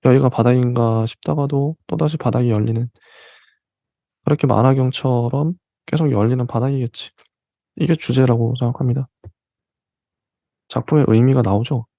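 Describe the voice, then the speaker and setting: A man hosting a literature channel, reading passages from a novel aloud and explaining them in between with soft fillers. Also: medium pitch, gravelly, no echo. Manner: reads passages slowly, then comments with soft fillers.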